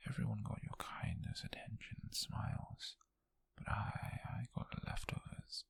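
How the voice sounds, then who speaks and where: A man playing an obsessive, lovesick captor in an intimate audio roleplay, confessing in a halting, breathy whisper, pleading yet menacing. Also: on the low side, little pitch movement, dry recording, exaggerated voice. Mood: aching, confessional. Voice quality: breathy, husky, gravelly whisper. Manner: slow, halting confession with sighs.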